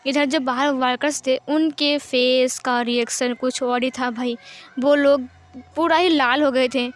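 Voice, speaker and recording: A woman's voice: high voice, steady tone, measured pace. A woman reading fan fiction aloud in a chatty storytelling manner.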